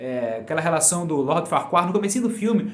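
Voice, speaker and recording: A man's fairly high voice with ordinary pitch variation, plus noticeable background noise and audible room echo. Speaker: history teacher. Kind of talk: lecture. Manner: fast.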